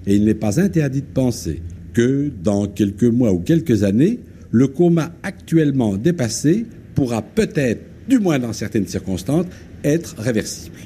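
A middle-aged male doctor on an old, worn archive tape from a 1963 broadcast, giving a formal, measured statement with long pauses. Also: mid-range voice, animated, warm tone, a little hiss or hum. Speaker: hospital intensive care physician. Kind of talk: formal 1960s radio statement.

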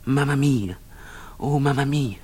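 A man reading aloud, voicing a gravely wounded young Italian soldier who cries out in agony and begs for the end. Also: medium pitch, takes it slowly, darkish tone, voice pushed up. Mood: agonized pleading. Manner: pleading, crying out in agony.

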